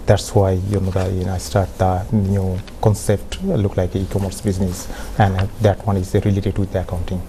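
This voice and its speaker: A man's voice: lowish voice, dark tone. Hesitant Bangladeshi-accented male guest. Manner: hesitant, frequent "you know" fillers. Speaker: studio guest. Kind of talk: self-introduction on a talk show. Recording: faint background noise.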